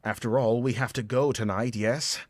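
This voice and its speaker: An actor playing a firm, hard-nosed fighter in a visual novel, talking low and with urgency. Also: male voice, steady tone, normal speed, lightly acted. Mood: tense, urgent. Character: Bimley, firm, hard-nosed male fighter impatient to travel.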